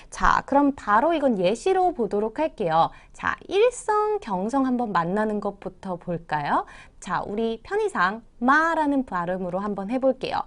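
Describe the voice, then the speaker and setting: A woman teaching an online language lesson, encouraging, and demonstrating tones by sliding her voice up and down. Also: mid-range voice.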